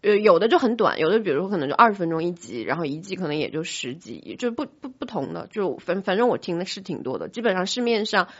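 A woman's voice: fairly low pitch, big pitch swings, fast, few pauses, a bit bright, husky, lo-fi sound. A woman co-hosting a podcast, explaining things at length in casual, enthusiastic conversation. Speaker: podcast co-host. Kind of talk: casual chat.

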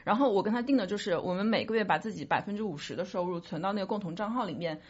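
A woman's voice: mid-range voice, racing, husky, muffled recording. A woman co-hosting a podcast, chatting casually and explaining things candidly among friends. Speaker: podcast co-host.

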